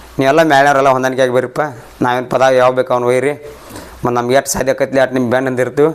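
A man talks at a fairly high pitch. Noticeable background noise can be heard. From India, Belagavi district, north Karnataka. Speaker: folk song lyricist. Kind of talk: interview.

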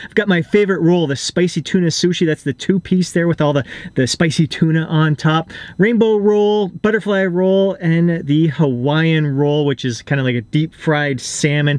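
A man speaks in an upbeat, enthusiastic tone with a high pitch. His pace is moderate, and the sound is dry with no echo. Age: 40s. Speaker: fitness coach and vlogger. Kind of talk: casual vlog narration. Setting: on the go, outdoors and in restaurants. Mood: cheerful, upbeat.

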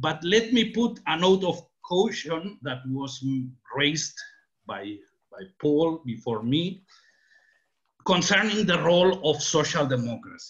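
The speech moves at a fairly slow pace over a quiet background. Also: man. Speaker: political analyst. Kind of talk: panel discussion. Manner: halting. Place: home room. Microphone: video call.

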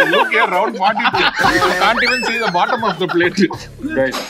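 Music plays in the background while a man speaks. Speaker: doctor vlogger reviewing food. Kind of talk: casual vlog chat. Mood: joking, teasing friends. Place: cafe.

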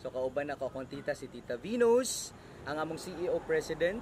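With ordinary pitch variation, a man speaks fairly quickly while noticeable background noise carries on. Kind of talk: interview answer. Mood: cheerful, relaxed. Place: cafe.

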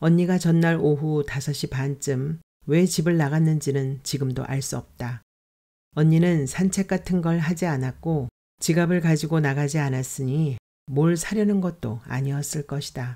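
A woman's very deep, low voice, dark and mellow in tone, with ordinary pitch variation at a fairly slow pace. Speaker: audiobook narrator. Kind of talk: reading aloud. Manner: soft-spoken.

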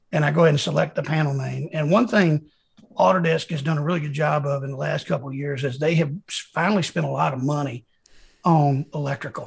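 A somewhat breathy man with an American accent talks very fast at a fairly high pitch, with ordinary pitch variation. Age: 60s. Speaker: Revit MEP expert. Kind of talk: tutorial demonstration. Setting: live video stream.

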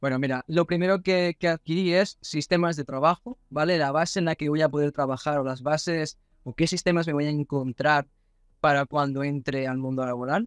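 A man's normal speaking voice, fairly high in pitch, at a moderate pace with ordinary pitch variation, dry with no echo over a quiet background. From Valencia, Spain; Spain. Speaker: cybersecurity engineer and content creator; content creator. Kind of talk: interview.

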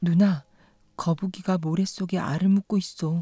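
A woman speaks very slowly at a medium pitch in a calm, soothing tone that is dark, mellow and somewhat breathy. The sound is dry and close, with no echo. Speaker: audiobook narrator. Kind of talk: bedtime story reading aloud, scripted narration. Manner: calm, slow and soothing, gently lulling pace with soft character voices.

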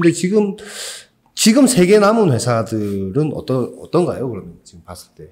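A man speaks at a moderate pace with a high pitch. His voice shows very wide pitch swings and big swings in loudness. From South Korea. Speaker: tech journalist; interview host. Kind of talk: interview. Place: studio. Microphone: studio mic.

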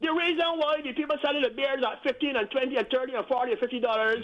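A man's extremely high voice with ordinary pitch variation at a moderate pace. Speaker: comedic co-host. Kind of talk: casual comedic chat.

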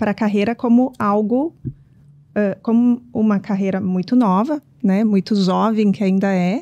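A woman talks very slowly in a dark, mellow tone. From Farroupilha, Rio Grande do Sul; Rio Grande do Sul, Brazil. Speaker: federal government attorney. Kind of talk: casual panel discussion. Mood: calm, reflective. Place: studio. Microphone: studio mic.

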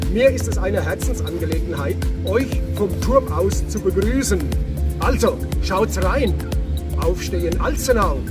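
Over clear background music, a man talks at a fairly slow pace. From Lower Main region, Germany. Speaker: stadium announcer. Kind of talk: promotional club message to fans. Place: stadium.

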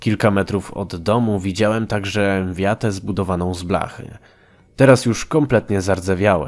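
In an ordinary speaking voice, a man talks at a fairly slow pace with a fairly low pitch and ordinary pitch variation, captured in a very clean recording with a silent background. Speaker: creepypasta narrator. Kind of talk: ghost story telling, first-person horror narration. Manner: hushed, slow, suspenseful; tense, building dread.

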